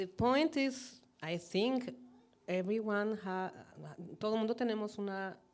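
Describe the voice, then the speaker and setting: A woman speaks with a Spanish accent at a fairly slow pace, her pitch fairly high. Her pitch varies in an ordinary way, and long pauses come often. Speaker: poet. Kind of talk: panel discussion.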